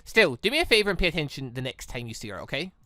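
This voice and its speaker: A man playing a poised, bright-voiced young woman. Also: fairly high pitch, very animated, racing, dry recording, pitched below the performer's own voice. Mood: measured.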